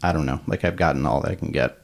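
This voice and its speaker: A man hosting a podcast, easygoing and wry, often answering with quick "right"s. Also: a bass voice, creaky. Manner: easygoing, many "right" backchannels, wry joking. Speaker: podcast host. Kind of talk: casual interview chat. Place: Columbus, Ohio.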